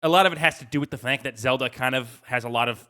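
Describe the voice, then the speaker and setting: A man's voice: mid-range voice, fast talker, bright, forceful tone. A man co-hosting a gaming podcast, talking in a casual, informal discussion style.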